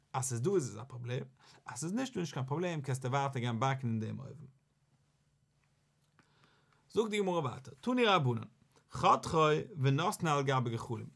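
A man, a rabbi, teaching a Talmud lesson in an animated, questioning sing-song that rises and falls. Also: a little high, creaky.

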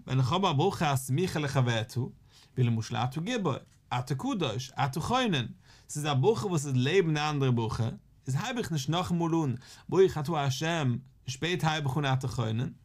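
A man, a rabbi, teaching a daily Talmud lesson, reading each line aloud and then explaining it. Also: fairly high pitch.

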